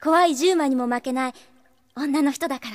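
An actress as a spirited young female shop manager in a radio drama. She has a high, girlish voice and speaks frankly, with wistful admiration. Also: a little fast, lightly acted. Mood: emphatic. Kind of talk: Japanese radio drama acting.

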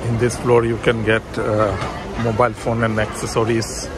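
A man giving a walking tour of a shopping mall, pointing out shops in plain, halting sentences with fillers. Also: fairly low pitch, monotone. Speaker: travel vlogger. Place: busy shopping mall, indoors. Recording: loud crowd and mall noise behind.

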